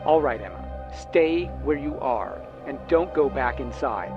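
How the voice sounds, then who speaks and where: A man acting as a calm emergency dispatcher in a horror game. His official delivery sits at a middle pitch, with music behind. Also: unhurried, highs cut off, natural voice.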